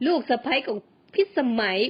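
A woman's voice: moderate pace, muffled recording, lightly acted. A woman voicing a gossiping, judgmental middle-aged woman in a storybook reading. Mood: scornful. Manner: teasing, judgmental.

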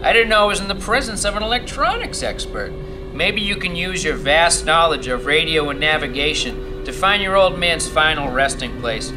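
A man's voice: fairly high pitch, lively intonation, moderate pace, lightly acted, rough recording. A man acting a sarcastic, taunting older brother in a radio play. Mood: sarcastic, grumbling. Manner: mocking. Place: theatre stage, live reading. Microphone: stand microphone. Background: music.

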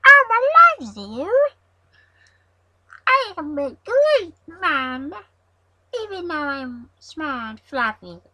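A man's voice: very high voice, very animated, slow, long pauses, bright, forceful tone, no echo, pitched above the performer's own voice, full character voice. A man voicing a small, fluffy, childlike puppet monster in a gushing manner. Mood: gleeful.

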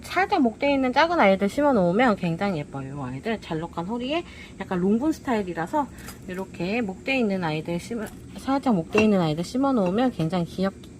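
A woman's voice: medium pitch, a little hiss or hum. A woman selling flower pots, walking viewers through each set with cheerful, coaxing praise. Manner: cheerful, coaxing, keeps asking "pretty, right?". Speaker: pot shop seller. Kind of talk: product showcase talk. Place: indoor pot shop.

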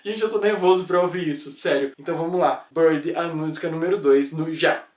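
A man's voice: a little high, fairly quick. A man hosting a reaction video, gushing and exclaiming over songs as he listens. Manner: gushing, exclamatory, easily thrilled. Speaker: YouTube reaction host. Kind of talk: excited album reaction. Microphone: computer setup at home. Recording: echoey room with faint music. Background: music playing faintly.

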